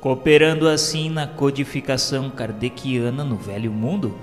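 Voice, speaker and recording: A man's voice: mid-range voice, fairly even intonation, normal speed. A Brazilian man reading scripted narration for a religious radio serial in a solemn, formal, literary manner. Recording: long hall reverb. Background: music.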